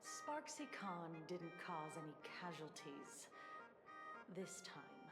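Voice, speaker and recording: Low, businesslike female investigator, roomy sound. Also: very animated, slow, exaggerated voice. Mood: grave, explanatory. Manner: formal, matter-of-fact, dry, sighing. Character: weary, businesslike female defense department investigator, dryly sardonic. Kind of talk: video game voice acting. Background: game music.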